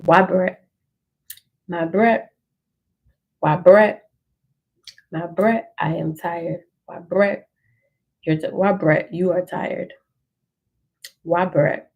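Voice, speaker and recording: A woman teaching a language lesson, reading through an ebook page by page and slowly repeating phrases to encourage learners. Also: lowish voice, steady tone, creaky, lo-fi sound.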